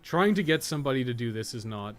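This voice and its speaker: A man's voice: medium pitch, expressive, fast talker. A man doing casual live game stream commentary, thinking aloud as he plays and swearing bluntly and often. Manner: blunt, heavily profane; rambling, thinking aloud while playing. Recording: noticeable background noise.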